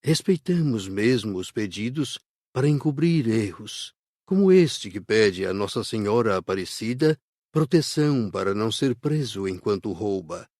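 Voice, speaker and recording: A man playing a gentle, patient spirit counselor in an audiobook, speaking in a courteous, measured, explanatory way. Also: on the low side, lively intonation, dry recording, studio quality. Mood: calm, patient. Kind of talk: audiobook character dialogue.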